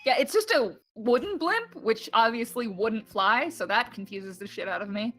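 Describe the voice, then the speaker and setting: A young woman with a high voice, hosting a casual game playthrough, joking and laughing as she plays. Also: lively intonation, normal speed, fairly bright tone. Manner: laughy, joking, self-deprecating. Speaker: let's play host. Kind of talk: casual gameplay commentary. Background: faint game music.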